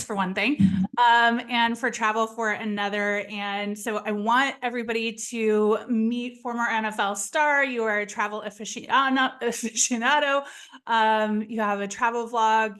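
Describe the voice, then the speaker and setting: A woman's voice: a little high, a bit bright. A woman hosting an interview show, upbeat and chatty, asking questions with enthusiasm. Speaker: podcast host.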